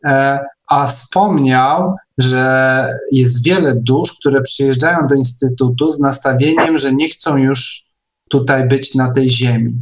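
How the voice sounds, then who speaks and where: A man talking casually in an online discussion, in a halting way with repeated and restarted phrases. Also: medium pitch, rough recording. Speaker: discussion participant.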